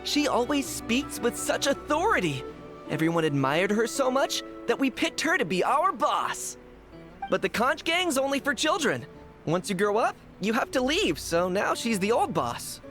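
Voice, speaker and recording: A woman's voice: on the high side, big pitch swings, normal speed, over music. A woman voicing a friendly, practical kid from a children's gang in a video game, earnest with a teasing edge.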